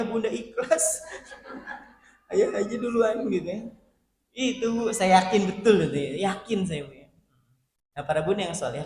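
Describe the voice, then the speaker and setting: A male preacher giving an animated sermon to a women's study group, acting out quoted voices as he talks to them directly. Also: a little high. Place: mosque hall. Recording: roomy mosque hall, faint background hum.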